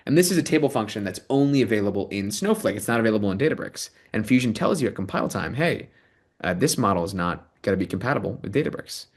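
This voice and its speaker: A man presents a software product over a video call, plainly excited and pausing often on ums. His voice rises and falls a lot as he talks. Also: on the low side. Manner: animated, enthusiastic, many ums and rights. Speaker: product manager giving a demo and host. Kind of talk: live software demo and interview.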